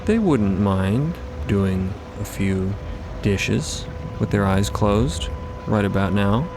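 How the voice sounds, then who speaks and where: A man's voice: lowish voice, lively intonation, slow pace, noisy background. A man narrating a fiction podcast in the present tense, vividly descriptive with conversational asides.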